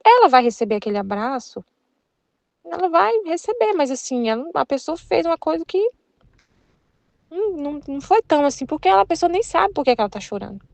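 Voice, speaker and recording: Brazilian lady chatting through a catholic study, kinda high voice, dry close sound. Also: very animated, fast, creaky, darkish tone, no echo. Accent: Brazilian Portuguese. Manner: conversational, repetitive, earnest. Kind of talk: casual religious teaching.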